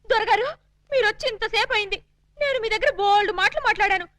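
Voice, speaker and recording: An actress playing a headstrong young woman prisoner in love, who talks in a fast, pleading, melodramatic way. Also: very high-pitched. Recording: film soundtrack with loud music.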